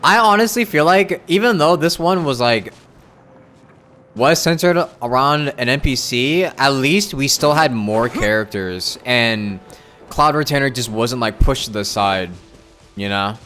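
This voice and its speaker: A man's voice: medium pitch, lively intonation, unhurried, a bit bright. A man livestreaming a game, talking casually and thinking aloud, often repeating his phrases as he rambles. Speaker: live game streamer. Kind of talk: casual livestream chat while playing a game. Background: game music.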